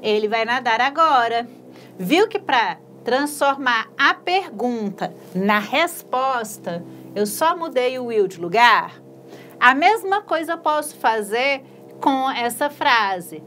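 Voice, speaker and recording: A Brazilian woman teaching English in a recorded video lesson, slowly spelling out English sentences word by word and explaining in a casual, encouraging way. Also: fairly high pitch, lively intonation, a bit bright, slight background noise. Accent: Brazilian Portuguese.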